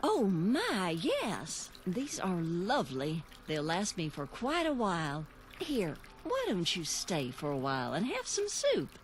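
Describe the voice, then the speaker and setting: A woman's voice: lowish voice, wildly swooping pitch, measured pace. A woman voicing a kindly, motherly female villager in a video game who fusses over her guests. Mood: delighted. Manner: warm, fussing hospitality. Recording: game audio under music.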